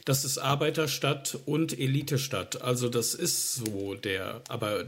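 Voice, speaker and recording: A man's voice: mid-range voice, fairly even intonation, a little slow. A man co-hosting a podcast, speaking casually and a bit tentatively. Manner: tentative, checking with others. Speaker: podcast host.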